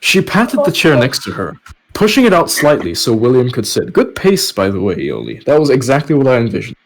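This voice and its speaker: Male podcast narrator for web fiction, mid-pitched with lively, swinging intonation. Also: a little fast, slight background noise. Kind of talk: story narration with casual asides.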